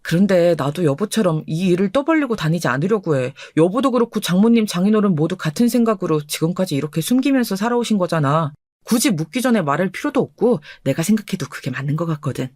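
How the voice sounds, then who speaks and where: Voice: medium pitch, lively intonation, fast, darkish tone, no room sound, clean studio sound, lightly acted. A performer voicing an earnest, deferential husband in his thirties in a dramatized radio story.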